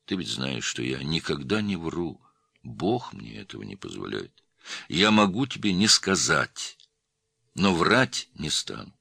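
A man reading a calm old jeweler in an audiobook, speaking slowly and quietly with sly dignity. The voice is extremely deep, gravelly and husky, with a tense edge. The sound is dry and close. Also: no room sound, full character voice. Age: 70s.

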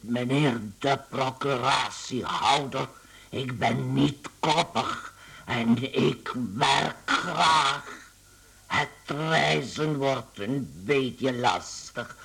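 An actor playing a travelling salesman turned insect in a radio play, meek, earnest and strangely calm, speaking slowly and deliberately. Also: medium pitch, vocal fry, husky, exaggerated voice, poor audio. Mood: calm, pleading. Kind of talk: Dutch-language radio play acting.

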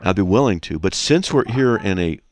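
Guy hosting christian call-in radio, really deep voice, swings up and down a lot, chatty and frank. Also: lively intonation, brisk, a little mellow, slight background noise. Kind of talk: casual conversational teaching and anecdotes.

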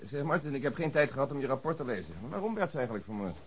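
An actor playing a sociable, brisk police colleague in naturalistic radio drama dialogue. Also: male voice, medium pitch, sing-song, close to an everyday voice.

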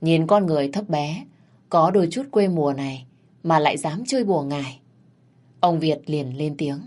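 A woman narrating a scripted story in a steady, plain storytelling manner. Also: deep voice, normal speed.

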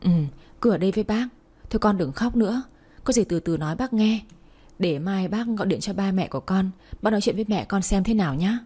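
A woman's voice: mid-range voice, lively intonation, a little fast, dark tone, husky. A woman voicing a kind older woman, a future mother-in-law who comforts the girl and bosses her son, in a storybook reading. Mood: soothing. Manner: soothing and motherly. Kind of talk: storybook narration.

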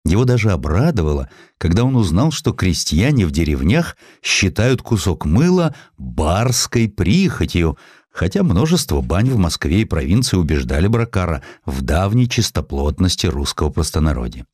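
A man reading a historical story as an audiobook narrator, in an expressive, measured, literary storytelling style. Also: deep voice, dry recording, clean studio sound. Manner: expressive, measured storytelling with distinct character lines.

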